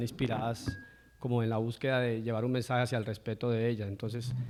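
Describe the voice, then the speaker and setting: With music in the background, a man in an Antioquian accent talks at a fairly quick pace, medium pitch, and monotone, flat intonation. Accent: keeps Antioquian (paisa). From Colombia, San Andrés island (born in Medellín). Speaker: urban artist. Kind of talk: panel discussion. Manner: hesitant, many fillers.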